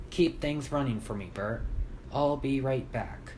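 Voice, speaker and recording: A man puts on a gruff character voice at a medium pitch, speaking fairly slowly over clear background noise. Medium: read story. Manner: gruff, terse.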